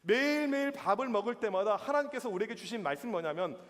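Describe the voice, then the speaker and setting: Lively youth pastor preaching in a hall. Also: male voice, high-pitched, fast talker. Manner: animated storytelling with acted-out reactions. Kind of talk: sermon. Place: church hall.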